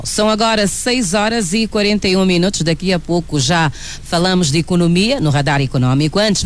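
A man anchoring a morning radio news bulletin, reading in a measured, formal way. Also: on the high side.

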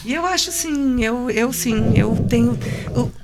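A woman's voice: a little high, measured pace, very noisy. Woman, puppeteer guest, reflective and searching in her speech. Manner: thoughtful, searching for words. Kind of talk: reflective interview talk.

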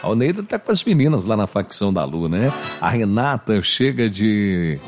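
Upbeat Brazilian radio host over music. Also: male voice, on the low side, very animated, normal speed. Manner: upbeat, chatty, greets listeners by name. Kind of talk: morning call-in radio show. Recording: radio studio with music bed.

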